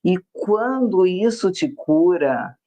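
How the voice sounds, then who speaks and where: A woman with a Brazilian accent, teaching an online self-help class, speaking emphatically and slowly repeating phrases in a soft chant. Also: on the low side, lively intonation. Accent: Brazilian Portuguese. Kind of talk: online class with sales pitch and guided mantra exercise.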